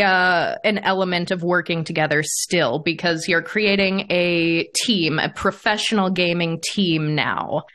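An enthusiastic woman speaks as a podcast host with a medium-pitched voice. She talks conversationally and effusively, as in an interview with a guest she is keen to hear from. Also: a bit bright.

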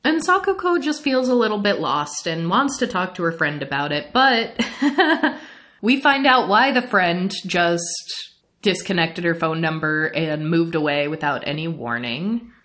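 A young adult woman from the Midwestern United States, chatting casually as a podcast co-host, animated and laughing often. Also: on the low side, a little slow. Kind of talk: casual chat recapping an anime series.

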